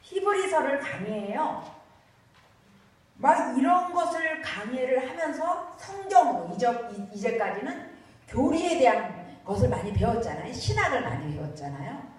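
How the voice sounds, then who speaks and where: A woman pastor preaching a sermon, telling the story in an animated, storytelling way. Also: sits high, moderate pace. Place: church. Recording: echoey church hall from far off.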